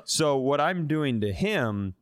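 A man with a mid-pitched voice tells funny stories in a casual podcast style. He swears freely and slips into exaggerated voices when quoting people. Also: sing-song, slow pace, no room sound, clean studio sound. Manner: acts out quoted dialogue in exaggerated voices. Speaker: podcast co-host. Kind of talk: casual comedic storytelling.

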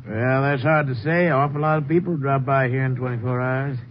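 An actor playing an obliging small-town cafe owner with a homespun manner in a 1950s radio western. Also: male voice, medium pitch, fairly quick, a little hiss or hum, natural voice. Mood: folksy, obliging. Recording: dull 1950s radio recording with music.

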